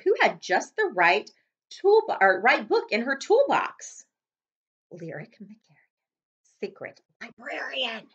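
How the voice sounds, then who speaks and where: Female children's librarian, thirties, animated read-aloud with very varied pitch, slightly dull webcam sound. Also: husky. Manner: expressive, dramatic storytelling. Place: living room, on a couch.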